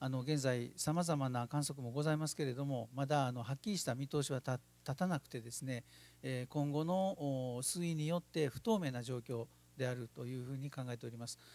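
At a fairly quick pace, a man speaks with medium pitch and ordinary pitch variation, the sound dry with no echo. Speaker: city government official. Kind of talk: formal briefing. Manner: formal. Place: meeting room. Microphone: podium.

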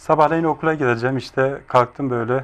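A man talks at a fairly slow pace. His fairly high voice shows ordinary pitch variation. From Turkey, Kars Sarıkamış. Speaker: teacher and author. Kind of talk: TV interview. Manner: hesitant, many fillers.

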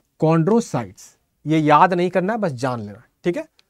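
Against a quiet background, a man with a regional Hindi accent talks at a moderate pace and high pitch, his intonation lively. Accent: regional Hindi accent, noticeable. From Chhattisgarh, Raipur. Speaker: exam-prep teacher. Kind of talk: live online class. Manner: casual, Hindi-English mix. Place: studio.

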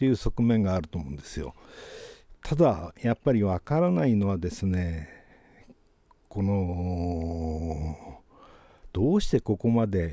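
In a very clean recording with a silent background, a man with a very deep, low, dark and mellow voice speaks very slowly, with lively intonation and big swings in loudness. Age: 70s. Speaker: author and former journalist. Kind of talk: interview talk. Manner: halting, many fillers; reflective, measured.

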